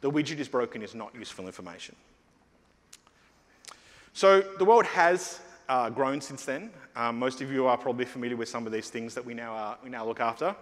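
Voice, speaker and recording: Middle-aged man, keynote speaker, loose conversational delivery, mid-pitched, long hall reverb. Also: fairly quick. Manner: conversational, many fillers and restarts. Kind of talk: conference keynote talk. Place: large conference hall stage.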